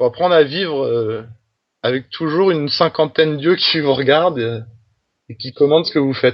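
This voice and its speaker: A man speaks at a moderate pace in a fairly high voice with ordinary pitch variation. He takes long, frequent pauses. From France. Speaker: long-distance cycling traveller and author. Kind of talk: casual interview. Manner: halting.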